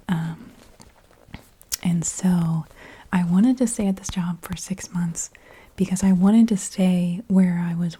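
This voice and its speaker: A woman tells a personal story in soft-spoken, mostly whispered ASMR, breathy and informal, with a halting, confiding delivery. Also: fairly low pitch. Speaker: ASMR video creator.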